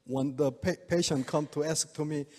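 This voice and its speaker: An older man with a Korean accent, speaking halting non-native English to an audience and chuckling often. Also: a little high, fairly even intonation, darkish tone. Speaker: speaker, oriental medical doctor. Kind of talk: presentation to a live audience. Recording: reverberant hall.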